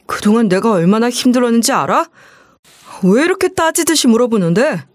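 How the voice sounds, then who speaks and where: A woman's voice: a little high, expressive, fairly quick, dry recording, studio quality. A woman voicing an angry husband who answers back defensively and indignantly.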